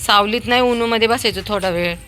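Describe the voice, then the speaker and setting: A woman's voice: a little high, quick pace, bright, forceful tone, faint music behind. A woman chatting casually on her terrace as she films her dog and a small child, coaxing them along in a sing-song baby-talk voice. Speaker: pet owner filming her dog and a child. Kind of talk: casual home video chat. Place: home terrace outdoors.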